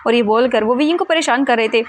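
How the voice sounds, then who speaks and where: A woman's voice: on the high side, fast talker. A woman casually retelling a fan fiction story in a chatty way. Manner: chatty, retells scenes with many quotes.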